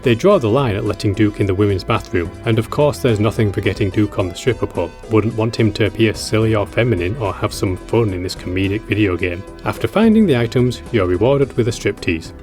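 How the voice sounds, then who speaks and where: A man with a fairly low voice delivers scripted video essay narration. His critique is scathing, with dry, sardonic humour. Light music plays behind him. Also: darkish tone. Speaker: game reviewer. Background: background music.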